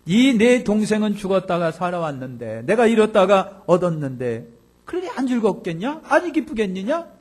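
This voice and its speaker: A man's voice: high-pitched, sing-song, moderate pace, pitched above the performer's own voice. A male preacher acting out a forgiving elderly father in an exuberant, commanding way. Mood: tender.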